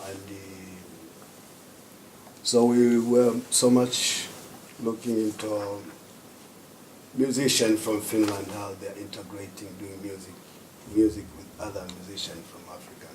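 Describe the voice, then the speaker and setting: A man from Tanzania, speaking unhurriedly as a panelist at a symposium and pausing often to find his words. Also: lowish voice, fairly even intonation, darkish tone. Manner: unhurried, searching for words with many pauses. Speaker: panelist, festival director. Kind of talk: panel discussion talk. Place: symposium hall. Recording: roomy hall with background noise.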